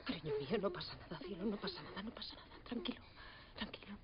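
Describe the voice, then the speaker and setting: An actress playing a frightened wife and mother who pleads in a hushed voice, in a film dub. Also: on the high side, big pitch swings, fairly quick, crowd noise. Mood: soothing. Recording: dull film soundtrack.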